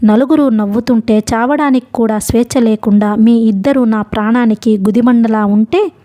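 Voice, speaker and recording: A woman narrating a novel, voicing a furious, desperate middle-aged mother who shouts bitter threats. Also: fairly high pitch, moderate pace, lightly acted. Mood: raging. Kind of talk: audiobook novel reading.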